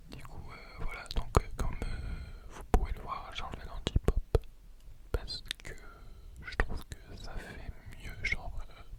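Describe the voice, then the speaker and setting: Long, frequent pauses break up a very slow whisper, with noticeable background noise underneath. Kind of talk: casual talk to camera.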